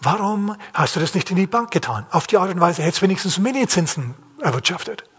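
A preacher giving voice to a stern rich master. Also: male voice, high voice, very animated, fast, fairly bright tone, husky, voice pushed up, heavily acted. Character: stern rich master judging his servants. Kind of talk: sermon. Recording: long hall reverb.

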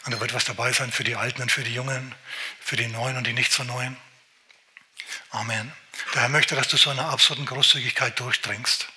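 A male pastor preaching a sermon, lively and addressing the listener directly with questions. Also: mid-range voice, a little fast. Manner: lively, exclaiming, talks straight to the listener.

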